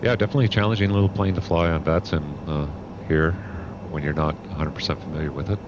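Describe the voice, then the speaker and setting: A man talking as a pilot through a cockpit headset mic, calmly running checklists and commenting as he flies. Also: a bass voice, fast. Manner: calm, methodical checklist talk. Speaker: flight sim streamer playing pilot. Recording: muffled headset audio over loud aircraft hum.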